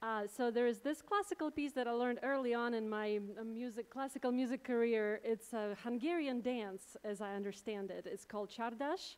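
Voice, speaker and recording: With a Russian accent, a woman talks at a moderate pace in a fairly high pitch with ordinary pitch variation. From former USSR, Russia. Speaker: professional musician. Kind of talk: testimony. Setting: church.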